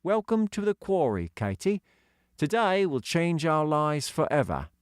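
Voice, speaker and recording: A man voicing a blunt, excitable schoolboy in an audiobook adventure story. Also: fairly high pitch, unhurried, clean tone, no room sound, studio quality, voice pushed up. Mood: excited.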